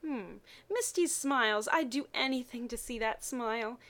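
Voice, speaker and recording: A lovestruck teenage boy, acted by a woman reader, talks in a fairly high voice. He sounds earnest and dreamy, with melodramatic delivery suited to a fan fiction story. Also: moderate pace, fairly bright tone, lightly acted.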